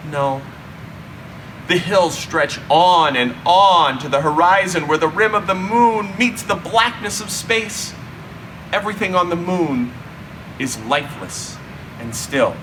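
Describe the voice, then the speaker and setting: A man narrating a children's story expressively, with dramatic, drawn-out emphasis and deliberate pauses. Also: high-pitched. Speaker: storyteller reading a children's book. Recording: distant mic, faint background hum.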